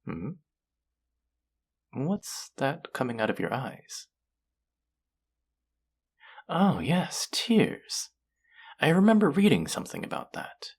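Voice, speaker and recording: An actor playing a haughty, mocking, cultured alien buyer in an audio roleplay, speaking to the listener in a deliberate, condescending, theatrical way. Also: mid-range voice, huge pitch swings, husky, exaggerated voice. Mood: curious mockery.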